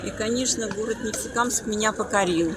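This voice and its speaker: A woman's voice: medium pitch, fairly quick. A woman in her seventies from Russia, a visitor giving an outdoor street interview. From Belebey, Russia. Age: 70s. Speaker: festival visitor. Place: outdoors at night, reporter mic. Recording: very noisy outdoor street recording.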